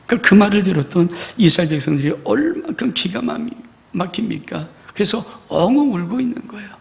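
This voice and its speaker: A man's voice: high-pitched, very animated, a little fast, vocal fry, big-room sound. A male pastor preaching a fervent sermon and reading scripture aloud to his congregation. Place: church sanctuary.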